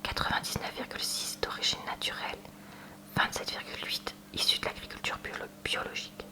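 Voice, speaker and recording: A woman speaking in a soft, breathy whisper, presenting products in an unhurried ASMR unboxing style with hesitant asides. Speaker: ASMR video creator showing purchases. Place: at home.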